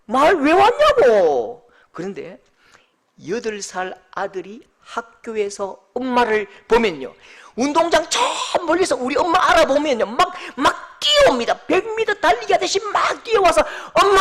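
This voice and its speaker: A male pastor preaching in a lively, high voice. His pitch swoops widely as he tells stories, and he sinks to near-whispers to land his points. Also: moderate pace. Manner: animated storytelling, dropping to soft whispers for emphasis. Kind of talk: sermon.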